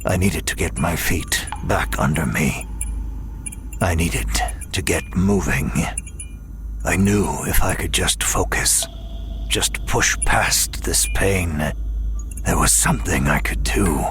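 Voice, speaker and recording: An actor playing a weary, wry imprisoned demon in an audio drama, speaking in a measured, dryly sardonic way. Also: male voice, deep voice, a bit bright, faint music behind. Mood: brooding, weary. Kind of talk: first-person audio drama narration and dialogue.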